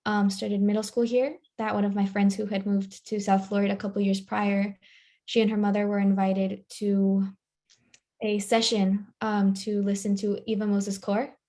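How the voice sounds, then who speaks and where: A woman's voice: medium pitch, little pitch movement, normal speed, warm tone. A teenage girl from Ecuador, a student on a panel, answering in an earnest, reflective way.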